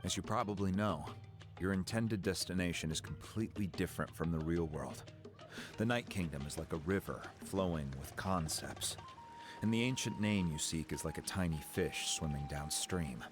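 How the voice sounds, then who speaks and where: An actor playing a calm, helpful tribal mentor in a video game, explaining things in a measured, encouraging way. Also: male voice, low-pitched, lightly acted. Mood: calm, explanatory. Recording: game music clearly behind.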